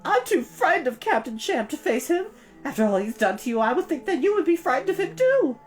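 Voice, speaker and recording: A woman's voice: sits high, big pitch swings, fairly quick, faint music behind, pitched above the performer's own voice. A woman voicing a fearful, fussy older aunt in a children's storybook, whining and scolding in a pedantic way. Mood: frightened, stubborn. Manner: whining, grammar-pedantic, stern.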